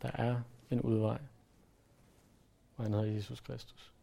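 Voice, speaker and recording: A male preacher delivers an earnest sermon. His voice is gravelly and mellow, and he pushes some phrases hard before easing into quiet, softer lines. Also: mid-range voice, little pitch movement. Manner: earnest, rises to emphatic then drops to soft.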